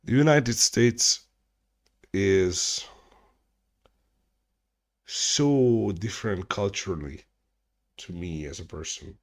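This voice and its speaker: Slow-talking man, low voice. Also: gravelly. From Hungary. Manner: rambling, swears freely, restarts mid-sentence. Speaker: streamer hosting a chat hangout. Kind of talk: casual livestream chat. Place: at home.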